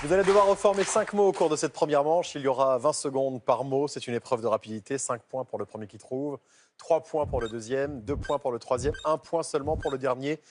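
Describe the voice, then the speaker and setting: A man's voice: medium pitch, brisk, a little mellow, slight background noise. A man hosting a TV quiz, presenting rules and scores to the players in a studio. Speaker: game show host. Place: TV game show studio. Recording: studio audience and music behind voice.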